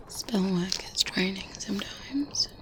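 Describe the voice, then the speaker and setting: A woman whispering and speaking softly in an intimate ASMR roleplay, playing a kindly witch close to a binaural mic. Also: mid-range voice. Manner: slow, hushed, intimate, deliberate. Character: kindly good witch mentoring a baby witch. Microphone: close binaural microphone.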